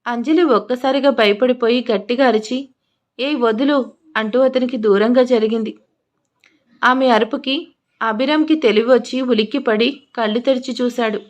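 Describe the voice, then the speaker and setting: Female storyteller, fairly high voice, emotive narration for an audio romance. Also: steady tone, moderate pace. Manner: voices both lovers' lines with feeling.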